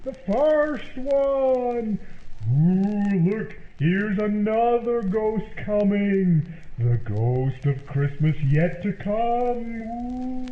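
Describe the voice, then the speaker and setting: A man's voice: sits high, expressive, very slow, heavily acted. A man voicing a bumbling, wailing fake ghost in an old-time radio comedy. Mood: spooky, bumbling. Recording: muffled, roomy, noisy old-radio sound.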